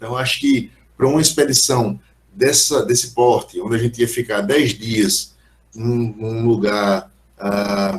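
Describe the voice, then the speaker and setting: A man talks at a fairly slow pace, his voice somewhat breathy and his pitch varying in an ordinary way. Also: medium pitch for a man. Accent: Alagoas. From Alagoas, Brazil. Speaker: professor, surveying engineer. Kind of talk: online lecture and Q&A. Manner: halting, many fillers.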